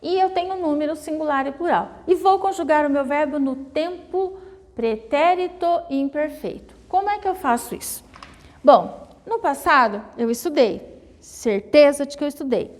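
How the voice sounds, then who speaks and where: Animated and high-voiced, a Brazilian Portuguese teacher explains grammar step by step, with a long reverb tail behind her. She speaks with a Brazilian Portuguese accent, goes slowly, repeats herself, and keeps checking in with "né?" and "tá?".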